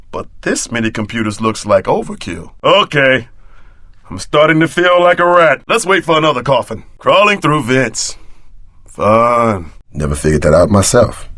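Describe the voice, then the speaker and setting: Gruff, brash action-game tough guy. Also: medium pitch, a bit bright, dry recording, studio quality. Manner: streetwise, swaggering slang. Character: tough, brash former security chief out for revenge. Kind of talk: video game voice acting.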